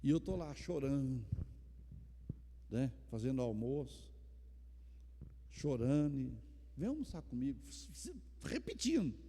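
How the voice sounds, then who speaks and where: Male pastor, high mellow timbre, fervent sermon delivery easing into quiet testimony; church reverb. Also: very animated, slow pace, long pauses, a little hiss or hum. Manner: impassioned preaching that drops to soft storytelling. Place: church sanctuary. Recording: long reverb of a church hall.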